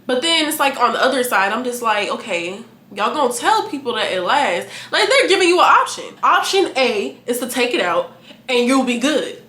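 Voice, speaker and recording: Bright-voiced young woman, casual and candid. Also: on the high side, moderate pace, reverberant. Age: 20s. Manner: animated, candid, laughing, profane. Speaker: vlogger. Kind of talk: casual chat to camera.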